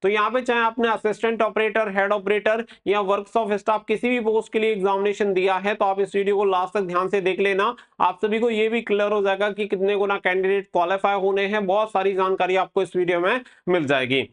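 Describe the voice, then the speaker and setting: A man's voice: high voice, fairly even intonation, brisk, few pauses, clean tone. A man hosting a coaching channel, giving informal, reassuring advice to exam candidates and repeating his points as he explains. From India.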